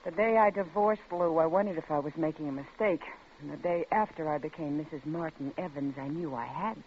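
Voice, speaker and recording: An actress playing a bitter, nagging wife in an old radio drama, sarcastic and scolding, always discontented about money. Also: female voice, sits low, fairly quick, muffled recording, slight background noise, close to an everyday voice. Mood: weary, bitter. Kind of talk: 1940s-50s radio drama acting.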